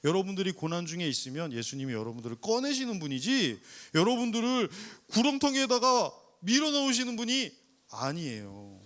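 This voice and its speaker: A male pastor preaching to a young adults service, animated, firing rhetorical questions and acting out people's complaints and prayers. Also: high voice, brisk. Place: church worship service.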